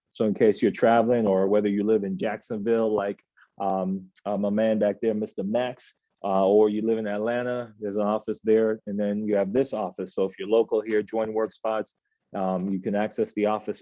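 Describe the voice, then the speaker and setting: A man in his thirties hosting an office team meeting, reading out announcements in a relaxed, chatty way with plenty of filler sounds. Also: fairly low pitch, no room sound, dull audio. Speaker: agency meeting host. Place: office meeting room, indoors.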